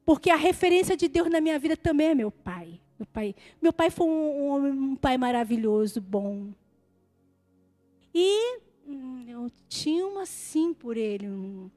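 High-voiced woman preaching. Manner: swings between soft storytelling and shouted praise; acts out other people's voices in quotes. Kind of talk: evangelical sermon.

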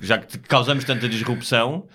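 A man's voice: medium pitch, a little fast, sharp tone. A man with a European Portuguese accent explaining ideas in casual conversation, often checking that he is understood.

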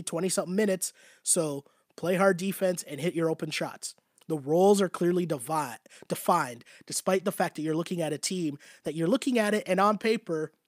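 A man whose voice is giving out hosts a casual basketball talk show, chattily answering his live chat and repeating himself, often ending points with "right?". His voice is a little high, recorded in studio quality with no echo.

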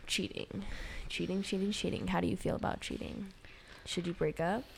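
A woman's voice: fairly low pitch, fairly even intonation, normal speed, creaky, slight background noise, low-quality recording. A young woman from Hawaii in a candid, casual group chat, laughing often as she talks.

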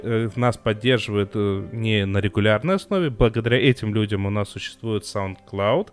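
A man hosting a podcast, wrapping up the episode with jokes and thanks, often pausing with fillers. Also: mid-range voice. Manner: joking, with many filler pauses. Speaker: podcast host. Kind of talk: casual podcast outro chat.

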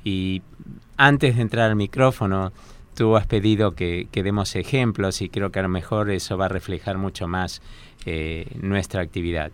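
A man explaining his coaching work as a radio guest in a studio, measured and explanatory. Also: sits low, clear, resonant tone. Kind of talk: radio interview.

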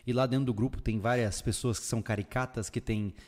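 A man hosting a casual podcast, relaxed and joking, recorded in a bare new house whose room still echoes. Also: medium pitch, a little fast. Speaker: podcast host. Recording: long echo from a bare room.

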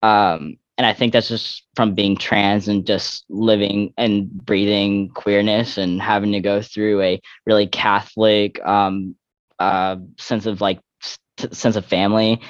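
A young trans man speaks in a low register, working through his thoughts haltingly with lots of fillers and self-corrections. The sound is dry and a bit muffled, as if recorded close on a modest mic. He sounds candid and personal. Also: little pitch movement, clear, resonant tone, no room sound. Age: young adult. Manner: reflective, halting, many fillers and restarts. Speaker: interview guest.

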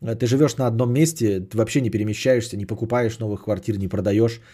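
This man hosts a podcast, answering listener messages with laid-back sarcasm, frequent swearing, and repeated phrases. He talks at a quick pace in a mellow, lowish voice.

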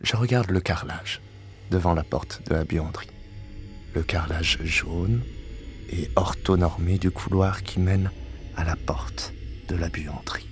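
A man playing a deep, brooding, obsessive widower. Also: fairly even intonation. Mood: brooding, wistful. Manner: solemn, deliberate, often sinking into breathy whispers. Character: obsessive, vengeful widower, grandiloquent, haunted by his lost wife. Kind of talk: dramatic monologue, literary audio fiction. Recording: binaural recording with music.

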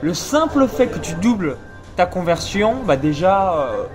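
A man hosting a casual business interview at a seminar, explaining and coaching listeners in a brisk way. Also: sits high, big pitch swings, music in the background. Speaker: YouTube interviewer and host. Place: seminar venue.

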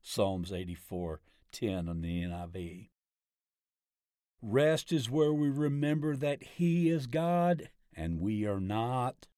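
A man reading a scripted Christian devotional like an audiobook narrator, in a measured, deliberate way with emphatic phrasing. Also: medium pitch, animated, mellow, no room sound, studio quality.

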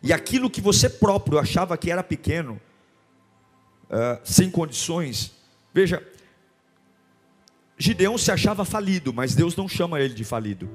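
A man's voice: on the high side, big pitch swings, moderate pace, long pauses, husky, soft background music. A man preaching a sermon in church with a Brazilian Portuguese accent, building his points through repeated, impassioned declarations. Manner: impassioned, repetitive rhetorical declarations. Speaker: pastor.

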